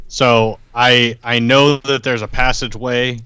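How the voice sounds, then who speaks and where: Bright-voiced man at a dry game table. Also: mid-range voice, little pitch movement, a little slow, smooth, no room sound. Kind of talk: casual game table chat.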